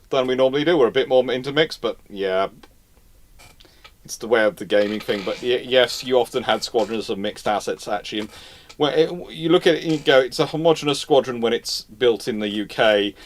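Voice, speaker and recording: A man hosting a casual live history question-and-answer session, speaking emphatically and repeating phrases for stress. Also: mid-range voice. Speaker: host answering viewer questions.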